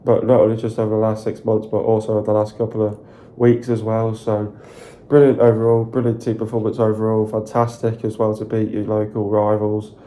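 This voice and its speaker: A man with a croaky, sore voice, talking at length about his team's win in a loose, repetitive, excited way on his video channel. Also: on the low side, brisk, slight background noise. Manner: repetitive, filler-heavy, excited rambling. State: hoarse, sore throat. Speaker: football fan channel host. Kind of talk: casual solo video commentary.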